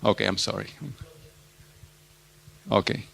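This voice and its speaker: A man's voice: on the low side, monotone, a little slow, creaky, fairly bright tone. A man in his thirties from the Republic, speaking. He gives an academic conference talk and often stops to repeat words while he searches for the next one. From Czech Republic. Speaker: university lecturer presenting research.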